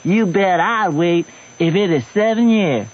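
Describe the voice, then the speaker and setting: A man's voice: high voice, a little slow. An actor playing an eager, gossipy backwoods boy with a rustic American Southern dialect in a radio drama. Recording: muffled old radio recording, noisy.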